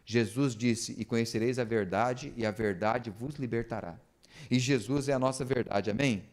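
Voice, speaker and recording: A man's voice: medium pitch, normal speed. A man, preaching a sermon in church and asking the congregation rhetorical questions. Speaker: pastor. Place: church service.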